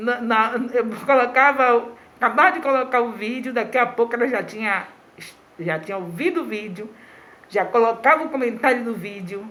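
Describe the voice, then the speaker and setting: A woman's voice sits fairly high, with a bright, sharp tone. Audible room echo surrounds it. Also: ordinary pitch variation, moderate pace. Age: 70s. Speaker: pastor. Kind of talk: sermon. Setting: live stream.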